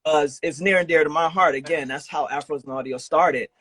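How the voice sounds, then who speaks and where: Higher-pitched man hosting a casual interview. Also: brisk, a bit bright, husky. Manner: informal, enthusiastic and affirming. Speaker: podcast host interviewing a guest.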